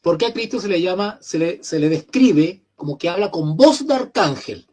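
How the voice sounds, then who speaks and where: A Chilean man teaching an online theology lecture, often repeating phrases, clearing his throat and putting questions to his students. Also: high voice, expressive, normal speed, a little mellow. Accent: Chilean Spanish.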